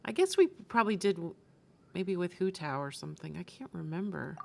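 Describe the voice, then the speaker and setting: A woman's voice: lowish voice, sing-song, fairly quick, creaky. A woman streamer giving casual commentary as she plays a game. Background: game music.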